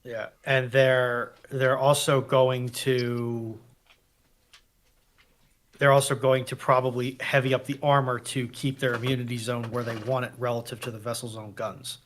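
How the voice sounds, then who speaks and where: A man's voice: mid-range voice, little pitch movement, a little slow. A man on a panel talking through technical naval history in detail, thinking aloud as he goes. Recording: clear background noise.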